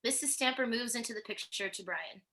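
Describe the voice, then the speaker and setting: A woman's voice: fairly high pitch, fairly quick, bright, forceful tone. A woman reading stage directions as scripted narration at a virtual table read.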